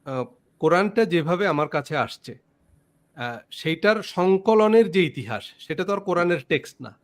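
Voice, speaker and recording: A man's voice: high-pitched, lively intonation, normal speed. A man hosting a casual debate, laying out his position step by step. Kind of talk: casual debate on a live stream.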